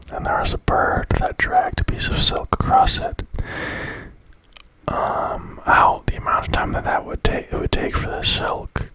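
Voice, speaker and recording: A man's voice: very high voice, poor audio. Whispering man in rambling ASMR. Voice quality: whispered, breathy. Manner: rambling, halting, pausing mid-thought, repeating words. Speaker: ASMR creator.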